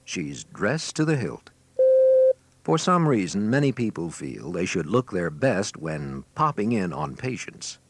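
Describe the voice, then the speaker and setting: A man's voice: on the low side, wildly swooping pitch, measured pace, creaky. A man narrating a scripted training filmstrip in a wry, theatrical storytelling manner, recorded on an old 1980s cassette. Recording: noisy 1980s cassette with clicks.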